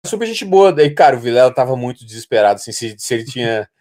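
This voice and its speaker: Informal Brazilian man, medium-pitched voice. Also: racing, darkish tone. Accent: Brazilian Portuguese. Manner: informal, repeats phrases, slangy. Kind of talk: casual podcast chat and anecdote.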